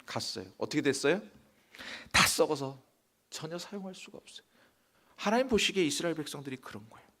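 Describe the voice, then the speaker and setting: A male pastor giving a sermon to his congregation. He asks them questions and answers them himself, and he swings from loud emphasis to soft, almost whispered lines. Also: on the high side, big pitch swings, quick pace, long pauses. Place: church sanctuary.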